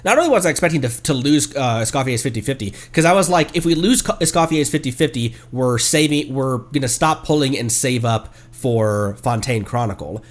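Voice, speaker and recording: A man giving casual livestream gameplay commentary, halting as he thinks aloud. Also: mid-range voice, animated. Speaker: game streamer. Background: game music.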